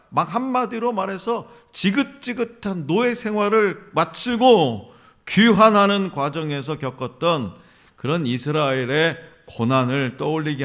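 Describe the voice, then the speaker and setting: A man's voice: high-pitched, a bit bright. A man preaching a sermon as a pastor in a church, emphatic, asking the congregation questions and answering them himself. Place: church sanctuary.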